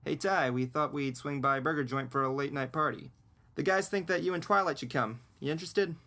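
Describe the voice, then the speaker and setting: A man's voice: on the high side, brisk, bright, forceful tone. A man playing a friendly young male student with a casual, upbeat way of talking in a fan audio drama.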